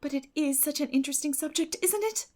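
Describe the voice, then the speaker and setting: A woman acts out a romantic young schoolgirl in a storybook reading. Her voice is high and earnest, gushing along breathlessly with dreamy feeling. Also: fast talker, warm tone, close to an everyday voice. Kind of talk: dramatic audiobook character reading.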